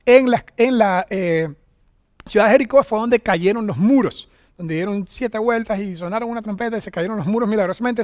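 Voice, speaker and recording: A man from Venezuela preaching a sermon as pastor, telling a story with animated voices and asides to the congregation. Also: sits high, no room sound, studio quality. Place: Costa Rica church setting.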